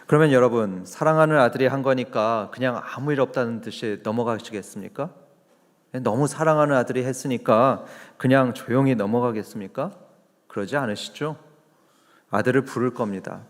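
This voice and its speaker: Male pastor, mid-pitched voice, preaching with questions to the congregation, long church-hall reverb. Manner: asks the congregation questions, answers them himself; acts out quoted voices with raised pitch. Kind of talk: sermon. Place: church sanctuary.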